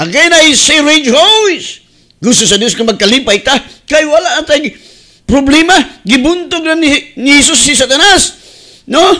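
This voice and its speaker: This man's voice sits at an extremely high pitch, bright and sharp in tone. He talks at a moderate pace in a raised, projected voice with lively intonation. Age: 50s. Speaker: pastor. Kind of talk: radio sermon. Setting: radio studio. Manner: animated.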